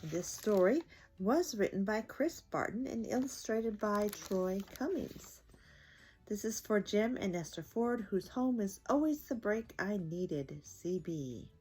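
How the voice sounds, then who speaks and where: A woman's voice: medium pitch, lively intonation, slow, a little mellow, breathy edge, faint music behind. An older woman hosting a children's story time, reading aloud expressively to young listeners.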